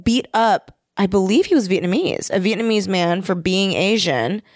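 A woman co-hosting a podcast, recapping a movie in blunt, animated casual chat. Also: mid-range voice, no room sound, studio quality. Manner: blunt, animated, quick to judge. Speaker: podcast co-host.

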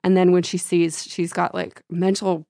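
Woman, gravelly creaky voice, tired, lowish pitch, informal book discussion, slangy and blunt. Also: flat delivery, moderate pace, dark tone, no echo, clean studio sound. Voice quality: gravelly, husky voice. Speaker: book discussion show co-host.

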